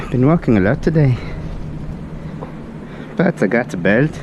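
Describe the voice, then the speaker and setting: A man's voice: mid-range voice, sing-song, measured pace, a little mellow. A young man, a student, talking to himself in a put-on Irish accent while walking outdoors, muttering and self-mocking. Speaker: student vlogger. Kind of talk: casual walking vlog commentary. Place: outdoors on city streets and a campus. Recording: street traffic noise outdoors.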